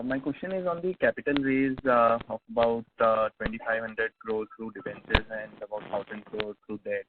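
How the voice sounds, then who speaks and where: A man, heard over the phone, hesitantly asks questions as an analyst on an earnings call, with many fillers. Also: mid-range voice. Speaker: analyst caller. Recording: tinny phone line with loud hiss.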